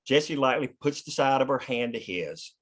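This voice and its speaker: A man's voice: mid-range voice, lively intonation, normal speed. A man reading scripted stage directions plainly in the present tense, as narrator at a table read.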